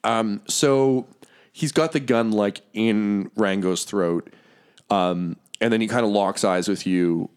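A man running a tabletop role-playing game, explaining rules in a relaxed way, with many fillers. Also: on the low side, slow pace, smooth. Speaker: game master.

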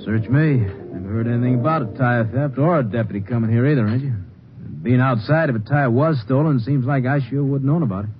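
An actor playing a skeptical, folksy filling station attendant with a casual manner in a radio western. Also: male voice, mid-range voice, brisk, long pauses, lightly acted. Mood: offhand, skeptical. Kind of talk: 1950s radio western acting. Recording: dull 1950s radio recording with music.

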